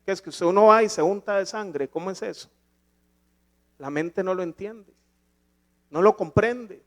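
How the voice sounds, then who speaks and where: A man with a notably high-pitched voice delivers a church sermon. He leans on rhetorical questions and swells into emphatic declarations before dropping back down. The delivery is that of a pastor addressing his congregation. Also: unhurried.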